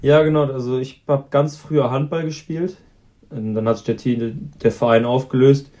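Relaxed young man, mellow voice. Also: mid-range voice, normal speed. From Belgium. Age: 20s. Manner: relaxed, rambling with many fillers. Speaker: guest, pro cyclist. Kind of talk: casual interview answers.

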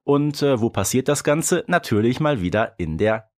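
A man's voice: mid-range voice, lively intonation, normal speed. Male co-host, mid-range voice, informal conversational podcast delivery. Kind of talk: casual podcast discussion of audio dramas.

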